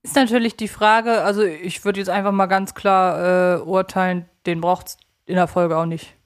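A woman's voice: on the low side, flat delivery, normal speed. A woman co-hosting a podcast, talking casually and analytically. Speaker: podcast co-host.

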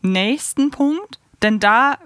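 A woman's voice: high-pitched, expressive, takes it slowly, fairly bright tone, clean tone, no room sound. A woman, talking casually as a podcast co-host. The recording is close and dry, with no room sound.

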